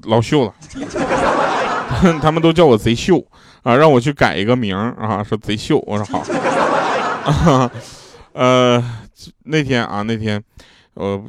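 A man's voice: medium pitch, slow, pauses often, a little hiss or hum. A man telling jokes and funny anecdotes in a chatty way, laughing at his own punchlines. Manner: casual slangy asides to the listener.

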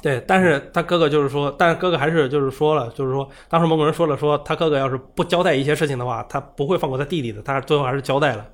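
Very fast-talking man in casual chat. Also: a little high. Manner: rapid, rambling retelling with many fillers, acts out quoted characters. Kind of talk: casual chat about a video game.

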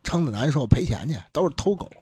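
A man's voice: fairly high pitch, lively intonation, fast talker, warm tone. A man telling a ghost story from his own life in casual, earthy, joking talk. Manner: earthy, humorous, swears casually. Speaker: radio guest storyteller.

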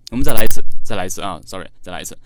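A man teaches a singing lesson, walking learners through each line and the technique step by step with frequent filler sounds. His deep, expressive voice moves very fast, and there is no room sound.

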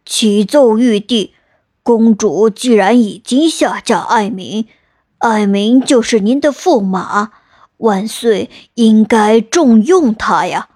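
A woman voicing the male king of the underworld in a storybook tale, speaking slowly and formally to his ruler. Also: fairly high pitch, animated, no echo, studio quality. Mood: solemn. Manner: slow, formal, deferential. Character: pompous solemn male king of the underworld, courtly.

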